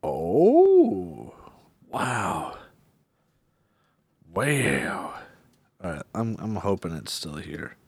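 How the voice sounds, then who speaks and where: A man chatting casually as a podcast co-host, enthusiastic and quick to laugh. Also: low-pitched, huge pitch swings, vocal fry, darkish tone, slightly rough, dry recording. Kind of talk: casual chat.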